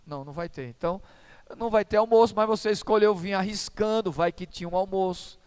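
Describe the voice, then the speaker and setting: A man's voice: high-pitched, fast, clean tone. A man preaching a sermon in church as pastor, in a conversational, humorous storytelling manner.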